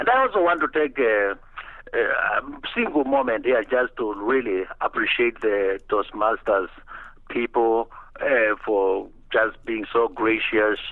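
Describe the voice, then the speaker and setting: A man with a Kenyan accent, medium pitch, ordinary pitch variation, and a fairly slow pace. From Kenya, Kamba community of Kangundo. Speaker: motivational speaker. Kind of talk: interview.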